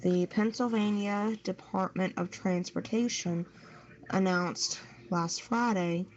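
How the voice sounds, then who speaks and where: A woman's voice: fairly low pitch, darkish tone. A woman co-host reading a news story aloud on a show. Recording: dull, noisy lo-fi stream audio.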